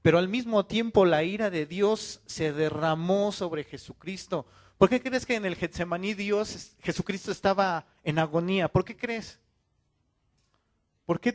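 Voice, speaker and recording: Man preaching, fairly high voice, impassioned, rhetorical questions, acts out quoted churchgoers. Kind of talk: sermon.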